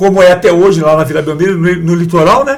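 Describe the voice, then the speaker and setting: A man with a high-pitched voice at a fairly quick pace over noticeable background noise. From Brazil, São Vicente (São Paulo coast). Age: 60s. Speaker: physical education professional, former goalkeeper. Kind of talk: interview.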